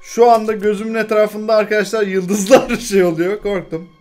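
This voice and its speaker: A young man commenting on a horror game he plays, talking to himself and the game, muttering low and breaking into frightened yells, his throat strained from shouting. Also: little pitch movement, moderate pace, soft background music. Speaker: gaming channel host.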